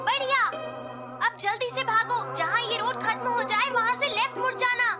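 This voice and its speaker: A woman's voice: very high voice, normal speed. A woman voicing an anxious, helpful robot cat in a Hindi cartoon dub, speaking in urgent exclamations. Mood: encouraging. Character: high-pitched robot cat friend, anxious, helpful guide. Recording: loud music under the voice.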